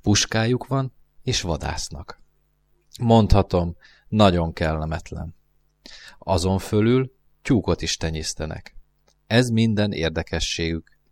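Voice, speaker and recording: A man's voice: deep voice, animated, long pauses, a little mellow. A man voicing a lonely, wistful male fox who talks in an earnest, musing way in a storybook reading.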